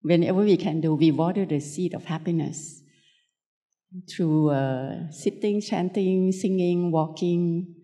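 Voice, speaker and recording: Speaking with a Thai accent, this Buddhist nun from Thailand offers a spontaneous spiritual talk. Her phrasing is brief, soft, and plain, delivered at a measured pace in a voice on the low side.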